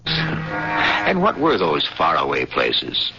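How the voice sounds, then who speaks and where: Gravelly, very animated male radio host. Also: deep voice, noisy background. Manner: ominous, musing, deliberate phrasing. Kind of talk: theatrical scripted narration, 1970s radio. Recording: muffled 1970s radio broadcast.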